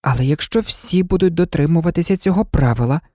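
Woman doing an earnest young girl, timid but argumentative, high lifting voice, storybook. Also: animated, fast, mellow, dry recording, studio quality, close to an everyday voice. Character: polite, eager young girl.

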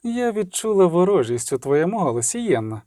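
A man's voice: sits high, big pitch swings, a little fast, dark tone, dry recording, clean studio sound. A man reading an audiobook, voicing a playful, mocking young sorceress with a bold, teasing manner. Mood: probing.

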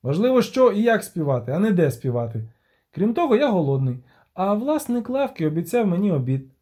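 A man's voice: sits high, sing-song, brisk, mellow. A man voicing a vain, boastful young bard with a theatrical, sing-song delivery. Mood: haughty. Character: vain flamboyant young male bard, cheeky showman.

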